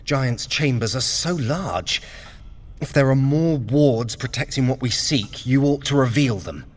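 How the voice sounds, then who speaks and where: A man's voice: medium pitch, close to an everyday voice. An actor playing a sly, sardonic male trickster god in an audio drama. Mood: frantic. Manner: sardonic, teasing, quick-tongued.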